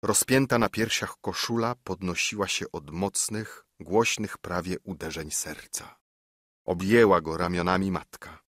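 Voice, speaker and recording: Male audiobook narrator, low husky voice, unhurried, dry close studio sound. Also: no echo. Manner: measured, expressive storytelling. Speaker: audiobook reader. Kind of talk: scripted narration of a classic novella.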